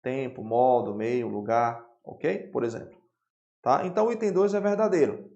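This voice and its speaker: A man with a Brazilian Portuguese accent teaching an exam-prep lesson, explaining at a whiteboard and checking in with quick "tá?" and "né?" tags. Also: medium pitch, gravelly, muffled recording. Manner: lively explaining, frequent "tá?" and "né?" checks. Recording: roomy echo.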